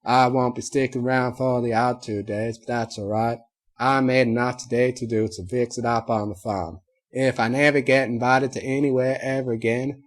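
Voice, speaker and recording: A man voicing a proud, honest farm mare with a Southern drawl, speaking loud and earnest in a husky voice. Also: medium pitch, natural voice. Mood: resigned.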